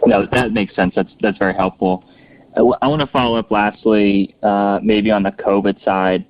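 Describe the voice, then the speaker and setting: Male analyst, monotone delivery, polite hedged questions on a conference call, somewhat lo-fi sound. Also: fairly low pitch, moderate pace. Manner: hedging, polite, roundabout phrasing. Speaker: financial analyst asking questions. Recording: dull lo-fi phone connection.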